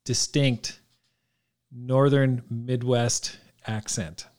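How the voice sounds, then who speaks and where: A man's voice: medium pitch, fairly even intonation, drawn-out words, darkish tone. A man hosting an interview, asking friendly, curious questions and laughing along with his guests. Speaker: podcast host, interviewer.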